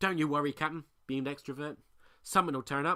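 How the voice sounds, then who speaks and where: In a put-on character voice, a man growls at a very fast pace with a fairly high pitch. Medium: read story.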